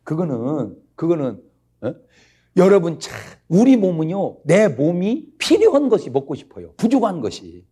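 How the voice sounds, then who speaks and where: A male pastor giving a humorous revival sermon. He is jokey, keeps prodding the congregation with quick questions, and swings between low asides and loud exclamations. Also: very animated, husky.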